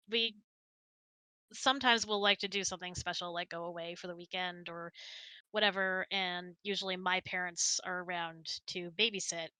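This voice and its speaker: A woman's voice: mid-range voice, sharp tone, clean tone, no echo. A woman host chatting casually and answering audience questions in a giggly, chatty way.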